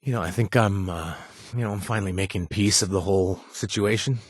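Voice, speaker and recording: An actor voicing a gentle, awkward ex-raider companion in a video game, talking haltingly with many fillers and restarts. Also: male voice, deep voice, no echo, clean studio sound. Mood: reflective. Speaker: companion character.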